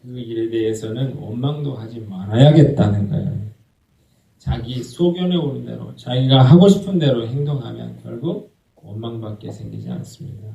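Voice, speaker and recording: 울림이 있는 교회에서 설교하는 남자 목사. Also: male voice, medium pitch, normal speed, creaky, warm tone. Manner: asks the congregation questions and answers them himself. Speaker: pastor. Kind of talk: sermon. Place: church sanctuary. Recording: echoey church hall, mic at a distance.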